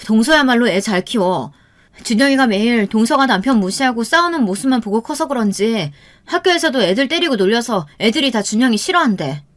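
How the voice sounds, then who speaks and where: Woman narrator as fed-up mom, firm and reproachful, fairly high voice, audio story dialogue. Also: expressive, brisk, lightly acted. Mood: cold anger. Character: long-suffering, exasperated young mother standing her ground.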